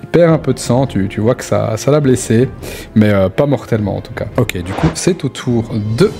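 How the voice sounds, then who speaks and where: A man's voice: mid-range voice, animated, normal speed, creaky, over music. A man improvising vivid, casual narration as the game master of a tabletop role-playing game. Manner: vivid descriptive storytelling with casual asides.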